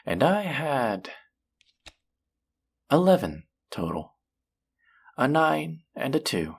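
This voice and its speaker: Husky, creaky, teasing demon dealer played by a woman. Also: rumbling low, full character voice. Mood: playfully taunting. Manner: slow, teasing, flirtatious, taunting. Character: teasing, possessive demon casino dealer of the underworld. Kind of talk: flirty roleplay audio drama, intimate one-on-one.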